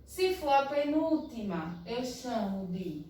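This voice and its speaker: A woman's voice: on the high side, sing-song, takes it slowly, dark tone, slight background noise. A woman teacher giving a review lesson to young schoolchildren, speaking patiently and breaking words into syllables one by one. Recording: very echoey room, voice from a distance.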